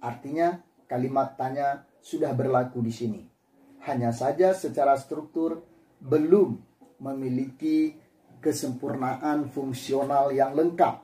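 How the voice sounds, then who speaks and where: A man's voice: mid-range voice, unhurried, dark tone, reverberant. A man teaching a language lesson, explaining patiently and acting out example intonations. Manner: demonstrates intonation by repeating words. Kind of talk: classroom lecture.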